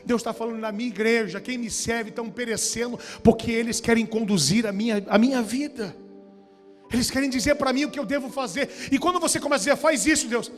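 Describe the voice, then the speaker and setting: A man preaching a sermon as pastor, moving between quiet storytelling and shouted, fervent exhortation in a church. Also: very high voice, fast talker. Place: church hall. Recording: long church reverb, music behind.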